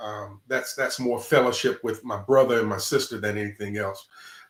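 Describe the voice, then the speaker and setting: Here is a man with an unremarkable speaking voice. His pitch varies in an ordinary way. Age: 60s. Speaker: panelist. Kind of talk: panel discussion.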